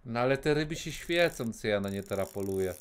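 A man in his thirties streaming a game from a small room on a headset mic, talking casually, cursing and yelling at the game, sometimes dropping to a whisper. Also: mid-range voice, fairly quick, clean tone. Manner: excitable, swears, yells at the game, then drops to a whisper. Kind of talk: casual live gameplay commentary.

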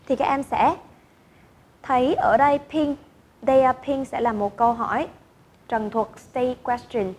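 A woman's voice: on the high side, unhurried, a little mellow, slightly rough. A woman teacher explaining intonation rules and modelling example sentences in an online lesson. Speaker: English teacher.

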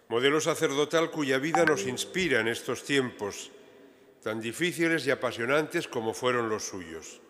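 A man's voice: mid-range voice, pushed and bright. An older man over sixty, a bishop, reading a written homily with cathedral echo around his voice. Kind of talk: sermon read from a written text. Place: large cathedral, seated at the altar.

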